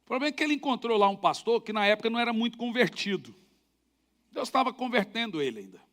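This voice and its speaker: A man's voice: extremely high pitch, quick pace. A middle-aged man with a Brazilian Portuguese accent, a pastor preaching a sermon and telling stories with sound effects. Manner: animated storytelling with sound effects.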